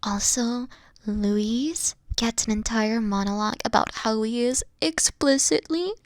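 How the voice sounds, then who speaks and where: A woman playing a haughty but secretly soft, dorky evil queen in a roleplay audio, pompous, theatrical and easily flustered. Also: a little high, measured pace, no echo, studio quality, lightly acted. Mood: playful, imperious. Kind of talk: playful roleplay audio acting.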